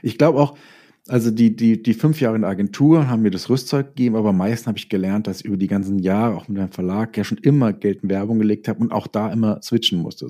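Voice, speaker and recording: A man's voice: lowish voice, warm tone. A man speaking as a guest in a casual interview, thinking aloud with repeated words and self-corrections.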